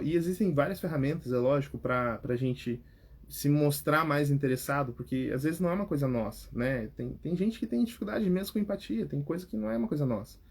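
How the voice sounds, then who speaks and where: A young adult man with a Brazilian Portuguese accent, giving advice on public speaking as a coach in a direct, animated chat. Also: medium pitch, breathy edge. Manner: animated, direct, repeats words and restarts. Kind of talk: casual advice talk.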